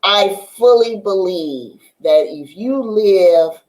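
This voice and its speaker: A woman's voice: medium pitch, animated, slow, darkish tone, poor audio. A woman guest speaking confidently and with purpose about business ownership. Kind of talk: casual interview.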